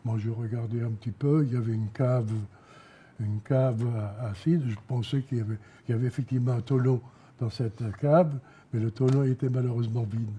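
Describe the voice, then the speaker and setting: An elderly man from Alsace recounting memories as an eyewitness, halting, repeating words and pausing between short phrases. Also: mid-range voice, steady tone, warm tone, slightly rough. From Alsace, France. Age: elderly, around 90. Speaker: war veteran giving eyewitness testimony. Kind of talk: spoken testimony, recounting memories.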